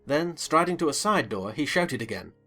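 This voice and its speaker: A man narrating a dramatized reading of a classic novel in a measured, expressive storytelling manner. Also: fairly high pitch, faint music behind. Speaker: audiobook narrator.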